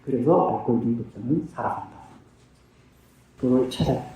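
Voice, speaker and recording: Speaking at a moderate pace with a medium-pitched, dark voice, a man in his fifties recounts his recovery in a personal testimony. He stays earnest and plain, asking questions of himself and answering them, heard through a distant mic in a very echoey room.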